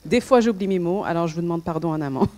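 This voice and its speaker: A woman's voice: lowish voice, animated, fast, darkish tone. A woman from Canada with a Canadian French accent, giving a conference talk with many fillers and restarts. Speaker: speaker at a public debate.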